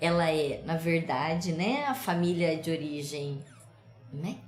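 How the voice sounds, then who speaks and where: A woman speaks at a fairly low pitch. Music plays in the background, and room echo is audible. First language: Portuguese. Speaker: English teacher hosting live interview. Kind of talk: bilingual live interview with translation.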